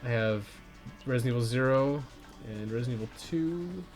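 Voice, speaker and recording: Canadian guy streamer just rambling to chat, kinda sweary and irreverent, medium pitch, some music in the background. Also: animated, moderate pace, darkish tone. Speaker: video game live streamer.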